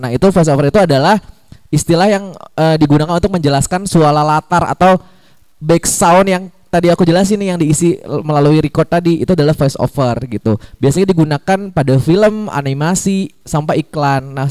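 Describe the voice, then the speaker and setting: Young male workshop speaker, chatty and informal, higher voice, dry close sound. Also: a little mellow, no echo. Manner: chatty, lots of fillers. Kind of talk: casual seminar lecture. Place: school hall.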